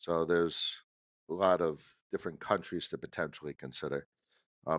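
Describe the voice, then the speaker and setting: A man speaks in a very deep, low voice. His intonation stays fairly even. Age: 40s. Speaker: crypto livestream host. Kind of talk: live stream talk to viewers. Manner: hesitant with many fillers.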